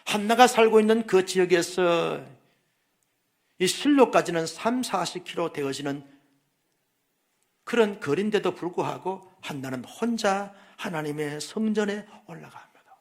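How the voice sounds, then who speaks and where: A male pastor preaching a sermon with feeling, repeating phrases and swinging from loud emphasis down to soft whispers. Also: high voice, animated, a little slow.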